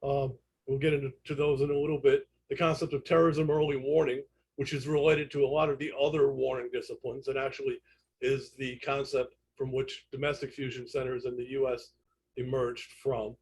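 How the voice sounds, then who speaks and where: A man with a Brooklyn accent lecturing online, explaining in a halting, self-correcting way. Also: medium pitch, level tone, a little mellow, poor audio. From United States, New York. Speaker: presenter, instructor in intelligence analysis. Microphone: internet call audio.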